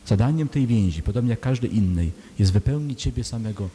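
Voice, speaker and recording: A man's voice: medium pitch, expressive, a little fast, mellow. Earnest preaching man in an echoing hall. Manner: rhetorical questions, earnest and pleading. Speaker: priest. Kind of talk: sermon. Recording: long hall reverb, faint hum.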